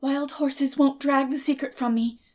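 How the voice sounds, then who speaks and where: An earnest young girl from a storybook, played by a woman, pitched up high. She is imaginative and wordy, with a theatrical way of putting every feeling. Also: fairly even intonation, normal speed, darkish tone, close to an everyday voice. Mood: solemn.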